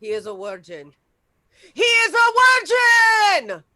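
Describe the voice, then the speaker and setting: A very high, swooping voice from a woman acting out a haughty vampire lady. She is theatrical and impatient, drawing her words out slowly in a comedy script read. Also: huge pitch swings, bright, forceful tone, no echo, shouting, exaggerated voice. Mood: ravenous. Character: haughty, impatient female vampire hungry for virgin blood.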